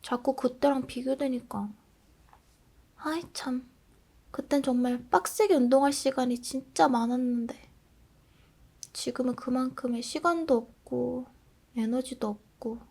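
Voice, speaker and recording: High-voiced sulky girlfriend in role-play. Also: unhurried, creaky, long pauses, mellow, breathy edge. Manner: grumpy, sulky, pouting. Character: dieting girlfriend, low on self-esteem. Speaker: ASMR role-play creator playing a girlfriend.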